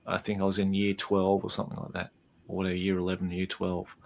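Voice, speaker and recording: A man's voice: low-pitched, monotone, fast. A man in his fifties with an Australian accent, a podcast guest in casual chat, laid-back, calling people mate and trailing off into fillers. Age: 50s.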